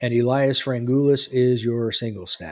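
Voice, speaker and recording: A man with a plain, everyday voice talks at a fairly slow pace and a medium pitch. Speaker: sports commentator. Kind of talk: live sports commentary. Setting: screen-sharing online broadcast. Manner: casual, conversational, slightly informal.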